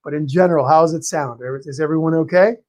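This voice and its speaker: A man hosting a live painting stream, greeting viewers by name in a friendly, chatty way, his voice a little hoarse and tired, clearing his throat now and then. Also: a little high, fast, a little mellow. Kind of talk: live-stream chat and teaching.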